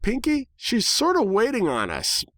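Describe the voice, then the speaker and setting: A man plays a young female cartoon pony in a voice pitched well up. She is brash, blunt and impatient, part of a dramatic storybook reading. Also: huge pitch swings, moderate pace, pushed and bright, no echo, studio quality, exaggerated voice.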